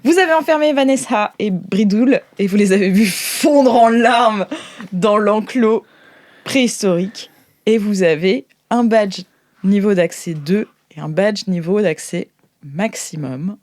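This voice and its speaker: A woman's voice: mid-range voice, a little slow, darkish tone, no echo. Woman game master, close dry sound. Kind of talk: improvised tabletop game narration.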